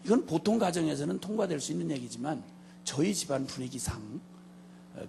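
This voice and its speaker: Animated gravelly middle-aged man preaching. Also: on the high side, slight background noise. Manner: animated storytelling, swings between loud and hushed; joking, addresses the congregation directly. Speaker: missionary preacher. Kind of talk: sermon.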